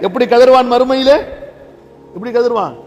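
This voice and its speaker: Brief: high, bright-voiced male preacher, fervent and shouting, in a long echoing hall. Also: normal speed. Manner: impassioned, rising to shouts and chanting Quranic verses. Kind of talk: Islamic sermon.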